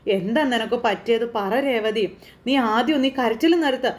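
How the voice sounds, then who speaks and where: A woman's voice: fairly high pitch, measured pace, natural voice. Woman retelling a pleading young husband. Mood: coaxing. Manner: urgent, repeated coaxing questions. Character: young husband pleading with his crying wife.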